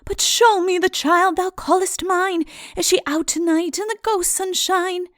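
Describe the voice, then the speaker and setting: A woman's voice: extremely high pitch, fairly even intonation, measured pace, fairly bright tone, no echo, clean studio sound. A woman playing a fearless, tender knight in a storybook ballad, singing in an earnest, pleading manner. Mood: questioning. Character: fearless young male knight, tender and lovesick. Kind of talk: slow sung ballad dialogue.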